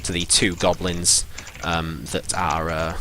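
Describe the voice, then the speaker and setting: Low-voiced man running a tabletop game. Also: level tone, bright, forceful tone, a little hiss or hum. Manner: halting, full of ums and sort-ofs. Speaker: game master. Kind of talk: narrating a tabletop game on a live stream.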